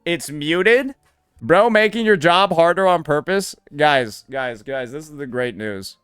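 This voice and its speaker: Sarcastic, profane man with a clear high voice. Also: lively intonation, unhurried, fairly bright tone, no room sound, clean studio sound, faint music behind. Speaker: commentary streamer. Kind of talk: reaction commentary.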